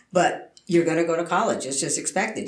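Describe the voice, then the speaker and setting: A woman with an American accent talks at a fairly quick pace in a fairly low voice, with audible room echo around her. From upstate New York (Tupper Lake). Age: 60s. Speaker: workforce development specialist. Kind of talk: podcast interview.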